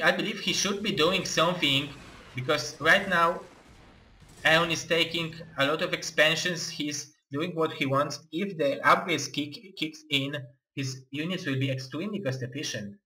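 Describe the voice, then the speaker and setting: A young man with an Eastern European accent, giving live play-by-play game commentary in halting, excitable non-native English. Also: on the high side, rough recording. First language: not English.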